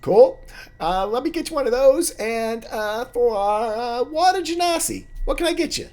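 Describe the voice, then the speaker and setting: A man voicing a jovial male halfling bartender who greets guests loudly and chats on and on. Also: very high-pitched, lively intonation, moderate pace, pitched above the performer's own voice. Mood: boisterous, friendly. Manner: loud, chatty and welcoming.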